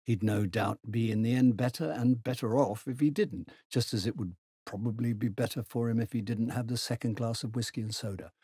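A man voicing a contemptuous, combative English gentleman in a novel, speaking bluntly and emphatically. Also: medium pitch, fairly quick, few pauses, slightly rough, dry recording, clean studio sound. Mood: emphatic, disdainful.

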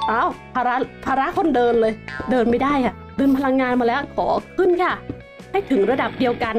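High, lively woman commenting on gameplay. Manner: chatty, exclaims often, calls herself by name. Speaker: gaming channel host.

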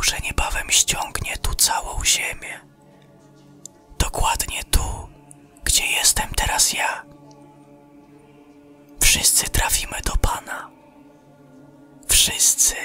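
A man voicing an eerily serene, devout astronaut in a whisper, in an audio horror story. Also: pushed and bright.

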